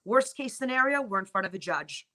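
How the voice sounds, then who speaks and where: A woman's voice: medium pitch, lively intonation, a little fast, bright, forceful tone. A middle-aged woman born in Poland, whose first language is Polish, speaking emphatically as a divorce lawyer guest on a morning TV talk show. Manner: emphatic, exclamatory storytelling. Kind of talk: morning TV interview.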